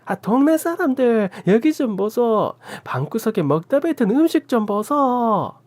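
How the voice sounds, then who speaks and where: A woman's voice: low-pitched, wildly swooping pitch, slightly rough, voice pushed up, exaggerated voice. A woman playing an old Gyeongsang aunt hurling curses. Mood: ranting. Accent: Gyeongsang Korean. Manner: scolding, cursing, drawn-out shouts. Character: tiny old hunched aunt, foul-mouthed and fierce.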